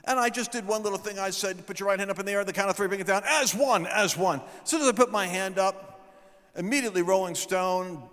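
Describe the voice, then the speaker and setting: A middle-aged man telling stories from a stage, preaching into a handheld mic and building up to shouted proclamations. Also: high voice, fast talker. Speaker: guest speaker. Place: large event hall stage. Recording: long hall reverb.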